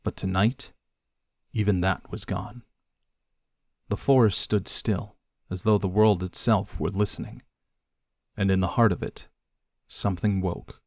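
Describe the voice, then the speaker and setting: A man reading scripted audiobook narration in a measured, hushed way with deliberate dramatic pauses. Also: low-pitched, steady tone, no room sound, studio quality.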